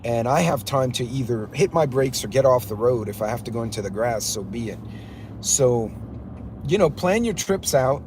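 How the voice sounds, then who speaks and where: A man's voice: medium pitch, expressive, normal speed, a little mellow, a little hiss or hum. A man hosting a live driving vlog from his pickup truck, giving blunt, ranting road-safety advice to his chat viewers. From West Texas. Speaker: prepper channel host.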